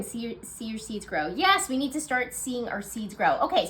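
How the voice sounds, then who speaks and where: A woman's voice: medium pitch, fairly bright tone, slight background noise. Congested woman reading tarot cards. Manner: chatty and reassuring, many fillers and asides. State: congested, nasal voice. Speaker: tarot card reader. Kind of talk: casual monthly card reading to camera.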